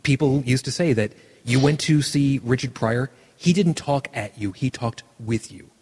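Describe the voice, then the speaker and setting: A man's voice: mid-range voice, normal speed, darkish tone, breathy edge, in a large hall. A man hosting a podcast, rambling through his points with dry joking asides. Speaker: podcast host. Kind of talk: casual podcast conversation.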